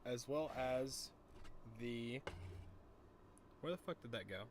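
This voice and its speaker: A man's voice: mid-range voice, slow. A young man rambles loosely to his audience, his speech catching on a lisp and a stutter. He swears freely and keeps the chat jokey and meandering. A faint hiss sits under the recording. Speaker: streamer. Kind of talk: casual stoner vlog chat.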